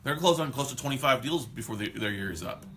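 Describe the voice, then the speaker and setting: A man hosting a casual live stream, talking in an energetic, motivational way with a loud voice. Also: medium pitch, fast talker, a little hiss or hum. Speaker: host.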